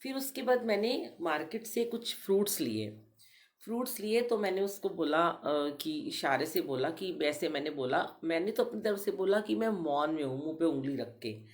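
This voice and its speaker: A middle-aged woman giving a gentle devotional talk to her congregation, telling personal stories. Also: fairly low pitch. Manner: gentle storytelling, addresses listeners as "sangat ji". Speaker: spiritual speaker addressing congregation.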